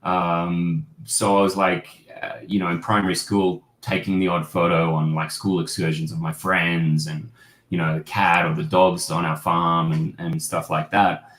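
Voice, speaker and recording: A man's voice: low-pitched, little pitch movement, moderate pace, a bit bright. A man, a guest photojournalist talking over a video call, reflective and rambling with many fillers. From Australia. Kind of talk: casual interview storytelling. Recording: roomy home-office echo.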